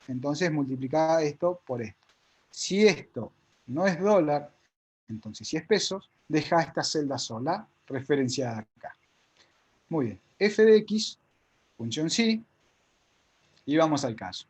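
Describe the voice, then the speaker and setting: A man's voice: fairly high pitch, lively intonation, measured pace, darkish tone, slightly rough. A man teaching a live spreadsheet class step by step, with an Argentine Spanish accent, often checking whether his students follow.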